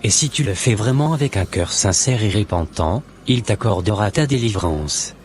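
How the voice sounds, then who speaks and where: A man's voice: on the low side, animated, moderate pace, darkish tone, faint music behind, natural voice. A man playing an earnest, solemn born-again Christian with a preachy, formal manner in an amateur cartoon. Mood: solemn, admonishing.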